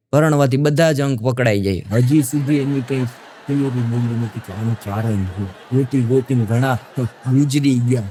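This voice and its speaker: A man's voice: medium pitch, a little mellow, no room sound. A man with a Gujarati accent doing stand-up comedy for a live audience, telling jokes in a folksy storytelling manner and voicing the characters. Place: stage before a live audience.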